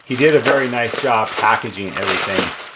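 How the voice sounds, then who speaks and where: Low-voiced man casually explaining equipment. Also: brisk, very noisy. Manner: explanatory, thinking aloud. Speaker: intercom repair technician presenting equipment. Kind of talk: casual unscripted hands-on product walkthrough.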